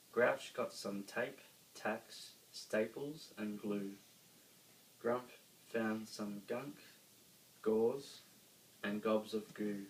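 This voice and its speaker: A man with an Australian accent reads a children's story aloud, dramatically, with emphatic pauses. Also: fairly low pitch. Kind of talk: expressive children's story reading. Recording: roomy, distant mic, faint noise.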